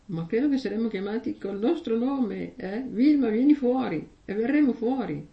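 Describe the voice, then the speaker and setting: A woman reading a gospel passage slowly and then preaching on it in a conversational way, asking her listeners questions. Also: fairly high pitch, vocal fry. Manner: slow, measured reading with heavy pauses. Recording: echoey, distant, dull lo-fi sound.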